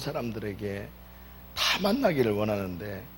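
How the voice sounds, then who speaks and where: His pitch varies in an ordinary way. The man's voice carries audible room echo. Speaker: pastor. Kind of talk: sermon. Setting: church.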